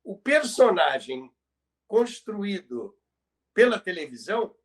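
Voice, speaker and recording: Brazilian guy podcast host, kinda high voice, really slow, stumbles and repeats words telling old radio stories. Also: very animated. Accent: Brazilian Portuguese. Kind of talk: conversational storytelling about radio history.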